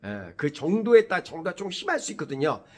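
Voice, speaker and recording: A middle-aged man gives a morning-broadcast talk in a husky, fairly high voice. His pitch leaps around wildly as he slips into quoted voices and punctuates his points with short affirmations. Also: fairly quick. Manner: animated, acts out quoted voices, frequent "예" fillers. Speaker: host.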